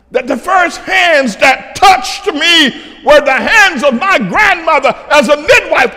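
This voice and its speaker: An older man from North Carolina with a Southern accent, a pastor preaching commentary, dropping to quiet asides and then rising to shouted declarations with chuckles between. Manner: swings from low asides to shouted outbursts, chuckling. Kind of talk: preaching commentary to a broadcast audience. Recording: long hall reverb.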